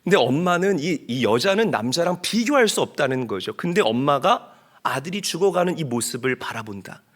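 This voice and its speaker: A middle-aged male pastor preaching a sermon, swinging from soft storytelling to loud pleading. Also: a little high, big pitch swings, normal speed.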